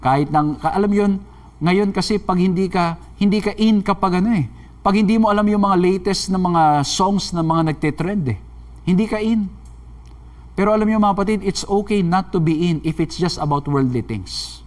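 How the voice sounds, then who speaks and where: High-voiced Filipino preacher. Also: male voice, normal speed, darkish tone. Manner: earnest, repetitive exhortation. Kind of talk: sermon mixing Tagalog and English.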